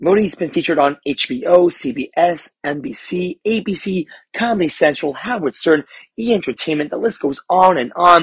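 Upbeat and lively in intonation, a man with a high voice speaks at a moderate pace in a dry, close sound with no echo. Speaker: podcast host. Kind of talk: scripted intro and outro.

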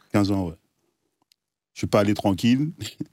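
Fairly low in pitch, a man speaks with a dark, mellow tone. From Cameroon, Yaoundé. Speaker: American football player and coach. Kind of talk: casual interview.

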